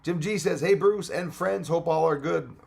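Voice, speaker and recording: A man's voice: on the high side, moderate pace, vocal fry, a little mellow, breathy edge. A middle-aged man from Quebec with a Québécois French accent, chatting casually on a live stream, reading viewer comments and laughing often.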